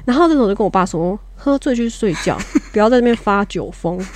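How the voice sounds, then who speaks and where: Blunt, fast-talking young Taiwanese woman. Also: medium pitch, expressive, a little mellow, no echo. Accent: Taiwanese Mandarin. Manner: blunt, fiery, laughs while telling stories. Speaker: podcast co-host, younger sister. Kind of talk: casual storytelling chat.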